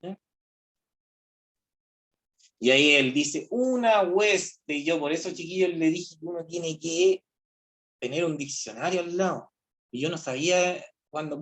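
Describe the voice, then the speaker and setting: A man with a Chilean accent teaching philosophy over a video call. He explains the text step by step and keeps checking in with his class using rhetorical questions. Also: a little high. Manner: explanatory, asks rhetorical questions, often says "¿cierto?". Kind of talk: online class lecture.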